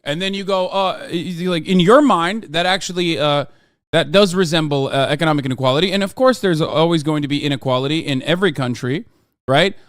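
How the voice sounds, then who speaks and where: A man's voice: a little high, brisk, dry recording, studio quality. An American man streaming, reacting to a video with heated, profane ranting commentary. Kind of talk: casual livestream commentary.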